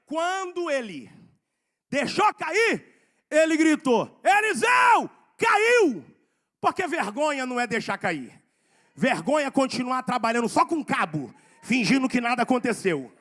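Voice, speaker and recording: A man preaching a sermon in a church, swinging from quiet asides to fervent shouted exhortations with slow, drawn-out emphasis. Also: very high voice, very animated.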